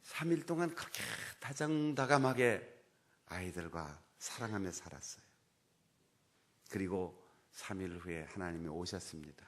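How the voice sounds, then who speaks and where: Lower-voiced male pastor telling a story. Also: expressive, moderate pace, a bit bright. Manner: storytelling, acting out quoted dialogue. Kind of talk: sermon.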